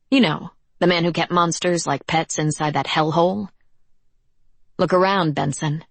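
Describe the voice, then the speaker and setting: A woman voicing a defiant young woman who speaks in a sharp, cutting, taunting way. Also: fairly low pitch, no echo.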